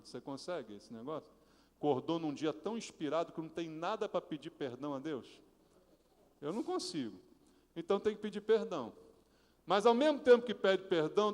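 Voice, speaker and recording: High-voiced Brazilian pastor preaching. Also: male voice, expressive, a little fast. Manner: preaching with rhetorical questions to the congregation; acts out prayers in a hushed, pleading voice. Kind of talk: sermon. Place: church sanctuary. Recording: reverberant church hall.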